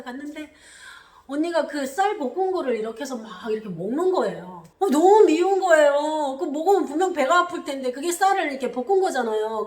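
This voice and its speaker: A woman from Korea, telling a personal story on her channel in an animated way. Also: reverberant. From North Korea. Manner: animated, re-enacts quotes with loud high bursts. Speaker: channel host.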